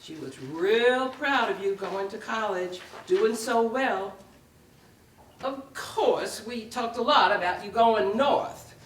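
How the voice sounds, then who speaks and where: A woman's voice: mid-range voice, slow pace, a little hiss or hum, close to an everyday voice. A woman performing a dramatic reading as an indignant, condescending white Southern employer of a maid, haughty, wounded and scolding. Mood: wounded, pleading. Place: indoor live reading at a public library. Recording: echoey room, picked up from a distance.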